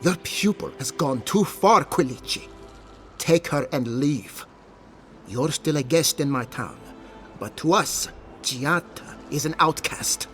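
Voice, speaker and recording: A man's voice: fairly high pitch, lively intonation, slow, a bit bright, faint music behind. An actor playing a haughty, unyielding town governor, a man speaking formally and curtly in video game dialogue. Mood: stern, cold. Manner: formal, authoritative, curt.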